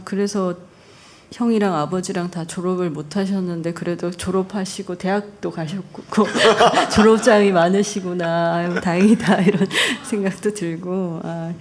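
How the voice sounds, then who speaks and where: A woman poet, reading a poem aloud and chatting on a literary radio show in a soft, unhurried way. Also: lowish voice, a little hiss or hum. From North Gyeongsang, Korea. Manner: soft, unhurried, gentle laughs. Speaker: guest poet. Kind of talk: poetry reading and radio chat. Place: public radio broadcast stage.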